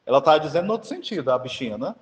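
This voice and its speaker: A man's voice: a little high, sing-song, rapid-fire, dull audio. A man from Northeast Brazil with a Cearense accent, preaching an informal teaching sermon and often asking the listeners whether they understand. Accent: Cearense Portuguese. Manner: chatty, keeps asking the audience if they understand. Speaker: Catholic preacher. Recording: long hall reverb.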